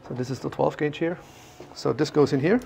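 A man's voice: on the high side, fairly quick, gravelly, a little mellow, a little hiss or hum. German-accented man explaining on a factory tour. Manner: explanatory, hesitant with fillers and restarts. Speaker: factory guide. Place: large workshop hall indoors.

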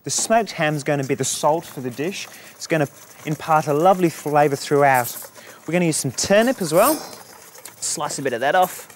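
On a studio kitchen set, an Australian-accented chef chats his way through a dish step by step in a fairly high voice at a moderate pace. His cooking demonstration is relaxed and explanatory, with slight background noise.

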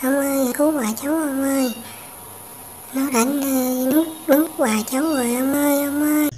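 Cartoon little girl, played by a woman: naive, pleading, highish voice, faint background noise. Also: fairly even intonation, moderate pace, darkish tone, close to an everyday voice. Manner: pleading, repeats herself. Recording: faintly noisy home-made cartoon dub.

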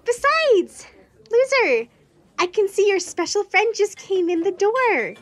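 Shrill, very high-pitched spiteful stepsister. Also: female voice, very animated, slow, exaggerated voice. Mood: sugary, taunting. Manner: sugary, whiny, taunting.

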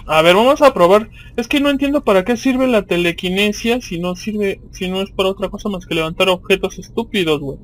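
A man's voice: sits high, brisk, hardly any pauses, a little hiss or hum. A man with a Mexican accent giving casual, slangy, profanity-laced commentary as he plays a video game.

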